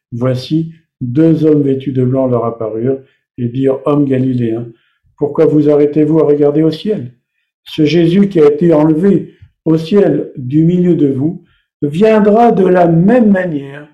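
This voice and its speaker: A man's voice: medium pitch, warm tone. A man preaching a sermon, explaining and reading Bible passages aloud to the congregation. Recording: echoey room, slightly dull sound.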